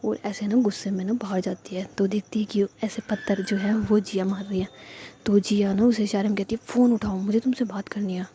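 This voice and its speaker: A woman's voice: mid-range voice, little pitch movement, a little fast, warm tone, lo-fi sound, slight background noise. A young woman telling a romantic story in a casual, chatty way, full of fillers, voicing the characters' pleading lines herself.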